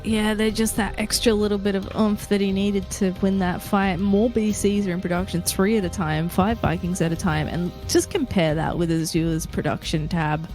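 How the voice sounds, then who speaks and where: A woman casting a live esports match, giving steady, analytical commentary on the play. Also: medium pitch, normal speed, hardly any pauses, soft background music. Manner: steady, analytical, with light laughs. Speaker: esports caster.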